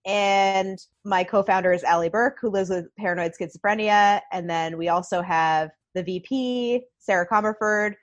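A woman chatting as a guest on a podcast, bubbly and talkative, full of quick asides. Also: mid-range voice, highs cut off. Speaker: podcast guest, nonprofit founder. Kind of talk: casual podcast chat.

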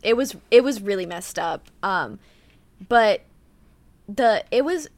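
A young woman talks through a true-crime case on her podcast in a loose, rambling way, leaning on "like" and "um" and reading from her notes. Her voice is mid-pitched and close to the mic. The sound is dry, with no room around it. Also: expressive, takes it slowly, a little mellow, dry recording. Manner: chatty, full of "like" and "um", reads notes aloud. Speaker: podcast co-host. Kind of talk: casual true-crime chat.

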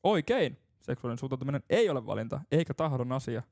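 A man's voice: mid-range voice, big pitch swings, darkish tone, no echo, clean studio sound. A young man from Finland hosting a casual drinking podcast, telling stories loosely and laughing often. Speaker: podcast host.

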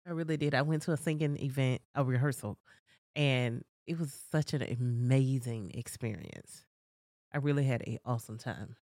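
A woman's voice: rumbling low, moderate pace, a little mellow, dry recording, studio quality. A woman co-hosting a podcast, chatting casually and telling rambling stories with laughs. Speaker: podcast co-host. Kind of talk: casual chat.

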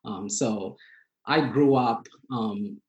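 A man from Tanzania, a guest on a podcast, speaking in a measured way with pauses and fillers. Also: lowish voice, darkish tone, highs cut off. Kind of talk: casual interview.

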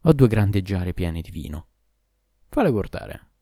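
A man voicing an impatient young man in a hurry, speaking in a hushed, clipped way in a storybook reading. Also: sits low, very animated, unhurried, creaky, dry recording, studio quality, full character voice.

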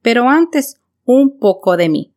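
A woman from Mexico City with a Mexican Spanish accent, hosting a podcast for learners and speaking slowly and clearly to the listener. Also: a little high, lively intonation, a little mellow. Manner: slow, clear, friendly delivery addressing the listener directly. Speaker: podcast host and bilingual teacher. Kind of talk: scripted podcast monologue for learners.

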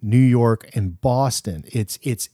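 Man, mellow dark voice, chatty podcast co-host who rambles. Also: medium pitch, slow pace, breathy edge, no echo, studio quality. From Louisiana. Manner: rambling, chatty, frequent restarts. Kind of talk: casual movie discussion.

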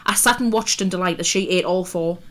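A woman's voice: lowish voice, a little fast. Hungover woman podcaster. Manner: chatty, jokey, sweary. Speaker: podcast co-host. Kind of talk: casual chat.

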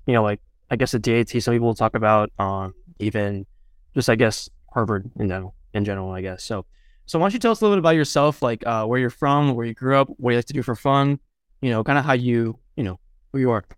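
A young man hosts a laid-back podcast interview, talking quickly and leaning on "like" and "I guess." His voice is smooth and clear, recorded close with no room sound. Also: medium pitch, no room sound. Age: young adult. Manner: relaxed, lots of "like" and "I guess" fillers. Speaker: podcast host.

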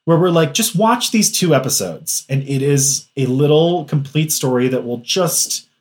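Animated man gushing about an anime. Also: on the high side, measured pace. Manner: animated storyteller, laughs easily. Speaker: podcast co-host. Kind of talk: casual anime review chat.

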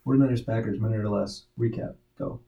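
A man's voice: lowish voice, fairly even intonation, fairly quick, gravelly, recorded from a distance, phone-quality sound. A young man co-hosting a casual sports podcast, dropping dry, teasing quips. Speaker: podcast co-host. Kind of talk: casual chat.

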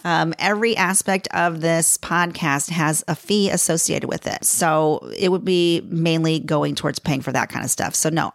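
A middle-aged woman with a Chicago accent talks through her podcast in a chatty, self-deprecating way, laughing easily. Her voice sits a little low, and the recording is close and dry with no room sound. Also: no room sound. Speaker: podcast host. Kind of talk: casual solo podcast talk.

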